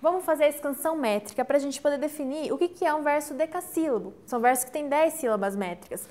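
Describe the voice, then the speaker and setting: A woman's voice: high voice, darkish tone. A woman teacher, giving an online literature lesson, explaining step by step and often checking in with the class. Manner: explains step by step, counts syllables slowly aloud; checks in with frequent "tá?".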